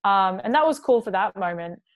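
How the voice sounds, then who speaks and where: A woman's voice: mid-range voice, lively intonation, fairly quick. A young adult woman, a singer, chatting casually in an interview, full of fillers and quoting herself.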